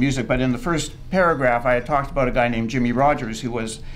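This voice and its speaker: A man's voice with a Canadian accent and ordinary pitch variation, plus audible room echo. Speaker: radio documentary maker. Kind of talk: lecture. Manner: fast.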